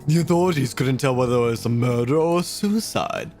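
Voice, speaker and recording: A man's voice: medium pitch, brisk, a little mellow, faint music behind, close to an everyday voice. A man reading game dialogue aloud as a brash, hard-drinking female journalist in a tipsy drawl. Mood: bitter.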